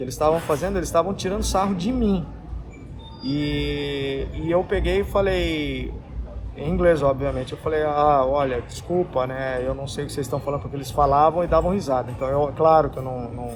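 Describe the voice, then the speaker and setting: Fairly quick speech with music in the background and audible room echo. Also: man. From Brazil. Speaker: vlogger. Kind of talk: personal storytelling vlog. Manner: casual, hesitant with repetitions.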